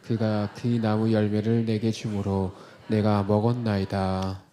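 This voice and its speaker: A man's voice: lowish voice, level tone, measured pace, mellow. A man reading scripture aloud with the congregation.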